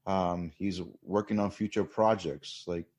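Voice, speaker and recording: A man's voice: low-pitched, fairly even intonation, a little slow, a little mellow. A man co-hosting a podcast, speaking in an earnest, reflective way. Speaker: podcast co-host. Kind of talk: casual podcast chat.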